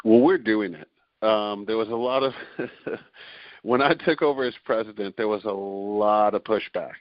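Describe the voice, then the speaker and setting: A man's voice: lowish voice, moderate pace, no room sound, dull audio. A man in his forties, talking earnestly as a podcast guest, with frequent restarts and fillers. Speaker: guest, beep baseball player and league president. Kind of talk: podcast interview, conversational.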